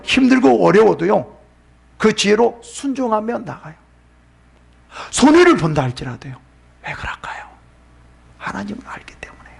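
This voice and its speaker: A man's voice: very high-pitched, gravelly, slightly rough. A male pastor preaching a sermon, asking the congregation questions and answering them himself, often dropping to a whisper.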